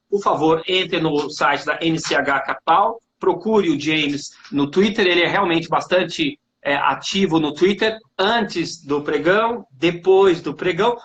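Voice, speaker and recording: A Brazilian finance professor with a high-pitched, somewhat bright voice hosts a casual live-stream interview over a video call. He keeps the finance chat friendly and full of jokes.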